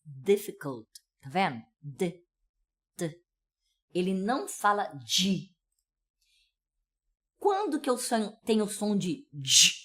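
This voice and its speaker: A woman with a São Paulo accent teaches pronunciation. Her pitch rises and falls in a lively way, and she talks slowly. She often stops to check that listeners follow. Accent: São Paulo Brazilian Portuguese. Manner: explanatory, with frequent "né?" and "tá?" check-ins. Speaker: English teacher. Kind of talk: pronunciation lesson.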